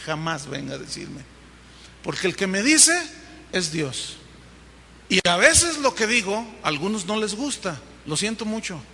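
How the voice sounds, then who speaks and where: A man's voice: sits high, very animated, measured pace, gravelly, bright, forceful tone. A male pastor with a Mexican accent preaching a sermon, emphatic and driving his points home through repetition. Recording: long hall reverb, faint noise.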